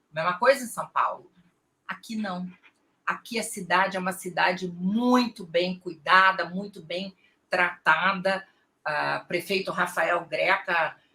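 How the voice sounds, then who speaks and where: Her medium-pitched voice has a bright, sharp tone and fairly even intonation, and the woman talks at a fairly slow pace with big swings in loudness. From Brazil, Rio de Janeiro. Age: 60s. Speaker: literature professor, Shakespeare scholar. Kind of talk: interview.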